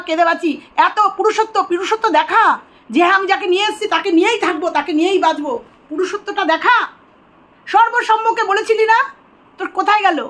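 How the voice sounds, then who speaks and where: A woman's voice: very high voice, a bit bright. A woman delivering an angry, accusing monologue straight to the camera, repeating phrases for emphasis.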